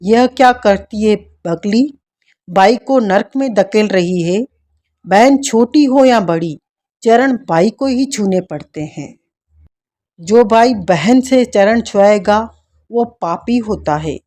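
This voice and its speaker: A woman reading an audiobook voices a brave imprisoned man who speaks tenderly to his sister through grief, in a slow, mellow voice. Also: mid-range voice, lively intonation. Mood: tender, tearful. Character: brave male prisoner, a loving protective brother.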